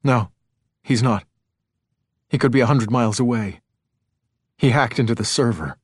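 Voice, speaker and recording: A man's voice: mid-range voice, moderate pace, slightly rough, dry recording, natural voice. A man voicing a knowing, matter-of-fact male tech entrepreneur in an audiobook, explaining plainly. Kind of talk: audiobook character acting.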